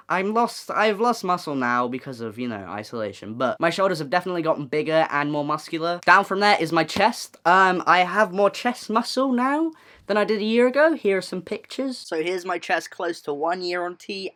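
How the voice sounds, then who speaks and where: A man's voice: sits high, a bit bright. A young trans man giving a chatty, rambling update vlog to his viewers, joking at his own expense. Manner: chatty, rambling, self-deprecating. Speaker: vlogger.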